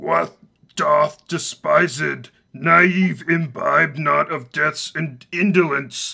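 A man with a fairly high pitch talks at a very slow pace. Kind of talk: overwrought mock-Shakespearean stage acting. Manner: grandiose, theatrical.

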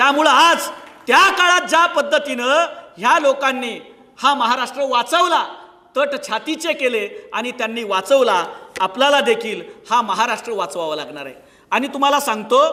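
A raised, projected voice with lively intonation over noticeable background noise. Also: man. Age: 30s. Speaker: political speaker. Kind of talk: political speech. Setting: stage with audience.

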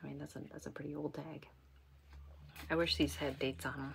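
A fairly quick pace, an American accent with vocal fry, a bright, sharp tone, and light background noise. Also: woman. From US Midwest, Michigan. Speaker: knitting YouTuber and podcaster; knitting YouTuber, podcaster. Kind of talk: casual solo vlog-style chat. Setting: home, recording alone. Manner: casual, chatty. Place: home room. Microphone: phone near.

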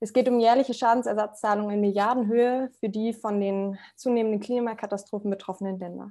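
The voice runs at a very fast pace with hardly any pauses, monotone and flat, in a dark, mellow tone over a quiet background. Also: woman, fairly high pitch for a woman. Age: 20s. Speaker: business psychologist, climate activist. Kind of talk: prepared speech. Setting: video call, standing. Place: home room. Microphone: earbuds.

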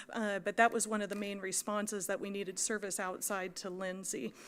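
A woman speaks at a moderate pace with medium pitch and an ordinary speaking voice. The recording is very clean, with a silent background. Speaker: transit planner presenting to city council. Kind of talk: presentation. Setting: council meeting.

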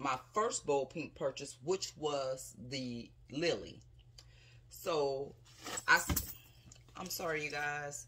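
Vocal fry runs through this fairly slow delivery. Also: woman. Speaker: YouTuber reviewing handbags. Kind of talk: casual unboxing vlog. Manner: soft-spoken. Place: home room. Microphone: phone near.

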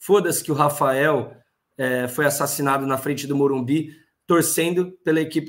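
In a quiet background, a man speaks in an ordinary speaking voice at a fairly high pitch. His pace is moderate and his intonation fairly even. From Brazil, São Paulo city (early childhood in southern Minas Gerais); São Paulo, Brazil. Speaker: youth wing leader of a political party; guest. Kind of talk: political interview.

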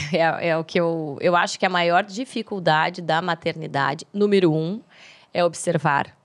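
A woman's voice at a moderate pace against a quiet background. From Rio Grande do Sul, Brazil. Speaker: journalist. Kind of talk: casual interview chat. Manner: animated. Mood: lively, warm storytelling. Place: studio. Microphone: studio mic.

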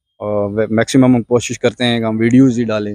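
Dry, close sound with no echo, a man's voice at a moderate pace. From Poonch district, Jammu and Kashmir. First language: Gojri (speaking Hindi). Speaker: comedian. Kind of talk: interview.

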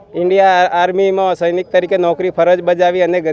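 Through noticeable background noise comes a man with a high pitch. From Gujarat, India (Banaskantha). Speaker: village head. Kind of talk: news interview statement.

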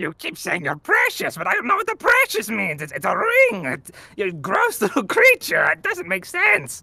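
A moderate pace carries this put-on character voice. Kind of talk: comic improv impression. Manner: condescending, theatrical.

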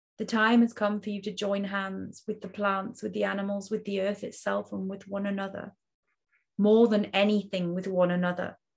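Calm and gentle in tone, somewhat breathy, a woman talks at a moderate pace in a flat monotone. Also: quiet background. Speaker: co-host, spiritual guide leading meditation. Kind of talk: guided meditation and conversational chat. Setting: video call, live online group session. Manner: calm, gentle, reflective. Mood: calm, solemn, meditative. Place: home room. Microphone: earbuds.

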